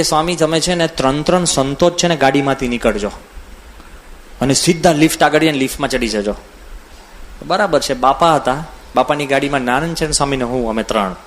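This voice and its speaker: Male swami, storytelling sermon, somewhat high-pitched, animated anecdotal delivery. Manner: lively anecdotal, acts out quoted voices. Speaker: swami giving a religious discourse. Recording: audio from a CD recording.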